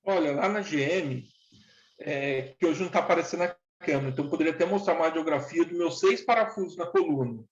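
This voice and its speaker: Talking fast in a voice on the high side, a 40-year-old ex-factory worker tells his story straightforwardly and sincerely. The casual interview has a dull, lo-fi sound and noticeable room echo.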